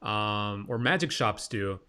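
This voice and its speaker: A man's voice: lowish voice, lively intonation, slow pace, sharp tone, clear, resonant tone. A man hosting a casual interview, talking in an informal, effusive and slangy way. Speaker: interviewer, show host.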